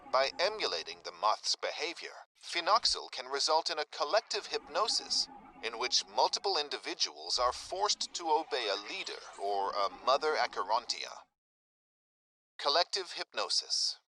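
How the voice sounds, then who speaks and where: A man voicing clinical research notes in a video game, measured and matter-of-fact. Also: mid-range voice, bright, forceful tone, a little hiss or hum, rough recording. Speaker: document narrator. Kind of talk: read-out document narration.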